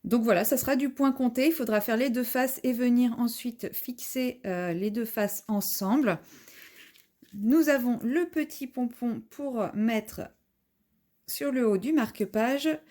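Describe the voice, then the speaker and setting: A woman with a somewhat high, soft and mellow voice hosts a casual unboxing vlog at home. She chats as she walks through each item one by one. Her delivery is relaxed and conversational. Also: measured pace. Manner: chatty, describing each item as she unpacks it. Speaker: craft vlogger.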